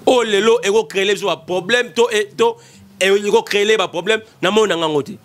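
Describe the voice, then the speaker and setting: Emphatic high-voiced Congolese man. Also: a little fast, a bit bright. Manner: emphatic, repetitive, gesturing. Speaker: political commentator. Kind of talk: impassioned political commentary. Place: small studio. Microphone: desk mic in front.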